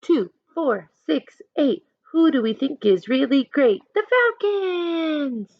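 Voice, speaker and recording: Spirited young girl athlete, played by a woman reader, competitive storybook role. Raised pitch, bouncy range. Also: lively intonation, takes it slowly, gravelly, highs cut off, heavily acted. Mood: cheering taunt. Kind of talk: storybook character voices.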